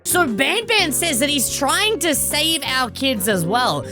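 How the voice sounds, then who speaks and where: Woman, very high voice, casual gaming commentary, emphatic and explanatory, clear background music. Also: sing-song, slow pace. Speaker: gaming video host. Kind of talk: casual game lore commentary.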